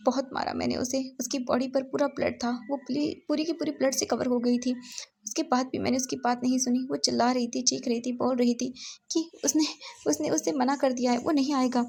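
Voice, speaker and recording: A woman's voice: on the high side, gravelly, darkish tone, husky. A woman voicing a grieving, remorseful middle-aged father who stammers and repeats his words.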